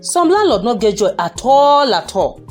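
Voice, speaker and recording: A woman with a Nigerian accent playing a lively, streetwise adviser in a folksy, persuasive Pidgin radio monologue, exclaiming and addressing her listeners directly. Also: a little high, normal speed, faint music behind. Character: Madam Cho Cho Cho, lively streetwise woman giving housing advice. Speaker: radio segment presenter.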